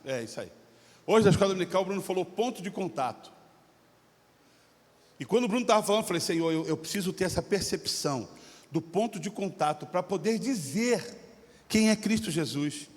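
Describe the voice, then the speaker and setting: A man with a Brazilian Portuguese accent, a pastor preaching a sermon. He swings from shouted exhortation to relaxed, chatty storytelling. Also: sits high, a little fast. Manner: impassioned, shifting from shouting to storytelling. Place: church sanctuary. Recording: long hall reverb.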